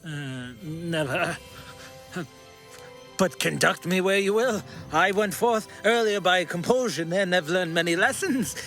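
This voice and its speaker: Frightened old miser, highish voice, slow halting pleas, soft music behind, radio play. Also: male voice. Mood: humbled. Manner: pleading, halting, theatrical. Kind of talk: audio drama acting.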